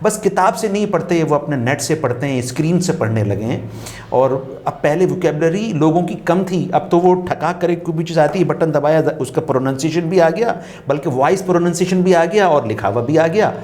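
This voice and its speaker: Musing male talk-show guest, slightly high voice. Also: expressive, a little mellow. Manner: unhurried, musing, repeats phrases for emphasis; quotes couplets while explaining. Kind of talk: reflective talk-show conversation.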